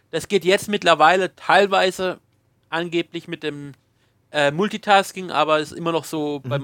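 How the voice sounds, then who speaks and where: A man speaks in a normal speaking voice, fairly high-pitched, at a moderate pace with ordinary pitch variation, the sound dry and close with no echo. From southern Germany, near Lake Constance (Ravensburg). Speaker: podcaster and gamer. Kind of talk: casual chat. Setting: Skype call.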